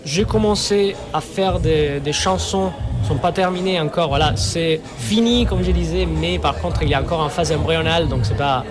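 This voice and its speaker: During a radio interview, a Sicilian musician guest whose first language is Sicilian gropes for words in French. His voice sits on the high side, and he talks at a normal speed with hardly any pauses.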